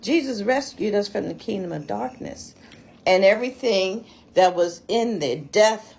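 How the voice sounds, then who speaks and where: A woman's voice: mid-range voice, animated, a little slow, creaky, a little mellow. A woman co-hosting a Christian talk show, teaching conversationally and affirming her partner often. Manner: affirming, frequent murmured agreement.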